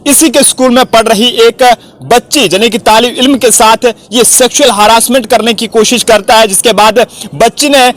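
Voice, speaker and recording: Brief: male field reporter, strikingly high voice, loose rambling delivery with filler phrases. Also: normal speed, fairly bright tone. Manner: rambling, fills gaps with "jo hai wo"; corrects himself mid-sentence. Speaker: journalist reporter. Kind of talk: field news report and interview.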